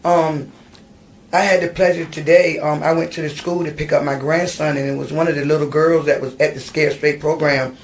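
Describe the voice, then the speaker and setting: Brief: middle-aged woman, gravelly low voice, hesitant storyteller, faint hiss behind. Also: fairly even intonation, brisk. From Virginia, USA. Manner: hesitant, many ums and restarts. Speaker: guest. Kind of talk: personal storytelling in an interview. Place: podcast studio.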